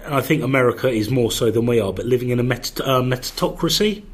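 A man's voice: mid-range voice, quick pace, slightly rough. A man on a podcast, talking hesitantly and feeling his way with ums and half-started phrases. He sits close to the microphone in a makeshift studio. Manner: hesitant, trails off with ums and restarts. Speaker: podcast co-host. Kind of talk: casual chat. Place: big echoey box used as studio. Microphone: close at the table.

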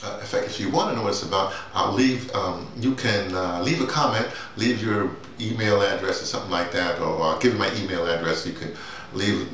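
A man in his sixties talking casually and haltingly to camera, repeating words and wandering off on asides. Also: low-pitched, fairly bright tone. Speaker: playwright and audio drama teacher. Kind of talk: casual rambling monologue to camera. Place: small bare-walled room indoors. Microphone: camera mic a few feet away. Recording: very echoey room, distant mic, faint hiss.

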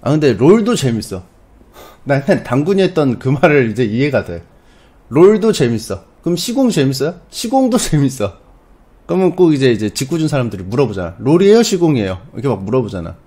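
A man streamer casually telling a funny story to his chat, acting out his own lines with sudden loud outbursts. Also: medium pitch, big pitch swings, a little fast.

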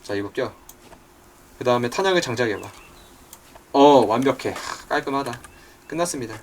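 A young man doing let's play commentary, excitable, talking to game creatures and yelping when startled. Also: medium pitch, moderate pace. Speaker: gaming YouTuber.

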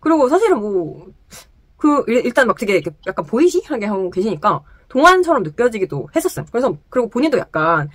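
A young woman telling a personal story to the camera in casual chat, animated and laughing often, in a small indoor room. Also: on the high side, quick pace, dry recording. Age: young adult. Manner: animated, laughs often, gestures while talking. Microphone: camera close in front, sitting.

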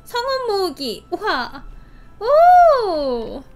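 A young woman hosting a casual game play video, gushing and giggling with excited exclamations. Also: very high voice, drawn-out words, slight background noise. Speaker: game channel host. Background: game music.

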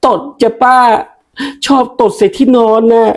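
A fed-up young village wife, played by a woman, who rattles off complaints in a whiny, chatty voice. She softens her sentences with sweet, coaxing endings. It is a broad comedy-sketch character. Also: fairly high pitch, fairly even intonation, a little slow, natural voice. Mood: complaining.

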